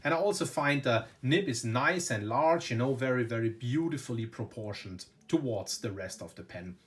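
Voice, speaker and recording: A man's voice: medium pitch, expressive, moderate pace. A man whose first language is German, speaking English with a German accent and casually reviewing a fountain pen at his desk, full of "very, very" and "you know". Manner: enthusiastic, repeats "very, very" and "you know". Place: indoors at a desk.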